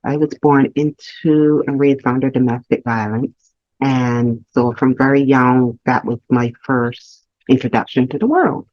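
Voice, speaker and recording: A woman from Barbados, telling her life story as a guest, earnest and reflective with halting restarts. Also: extremely low pitch, fairly even intonation, dry recording. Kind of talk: candid personal storytelling. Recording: slightly muffled lo-fi audio.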